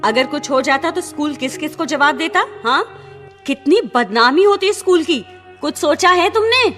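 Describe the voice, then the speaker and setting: An actress playing a snobbish, scolding school principal in a Hindi radio play. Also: female voice, sits high, expressive, moderate pace, fairly bright tone, faint music behind. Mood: stern, reproachful. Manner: scolding, haughty.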